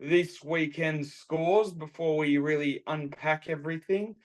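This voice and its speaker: A man's voice: a little high, fairly even intonation, unhurried. An Australian man co-hosting a sports podcast, running through scores with enthusiastic, colourful phrasing. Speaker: podcast co-host. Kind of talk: casual sports chat.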